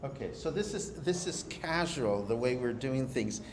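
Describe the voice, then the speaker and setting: A man hosts a live interview show, his medium-pitched voice expressive and his pace moderate. He's playful and chatty, stretching out his phrases, and the recording sounds echoey, with background noise in the room.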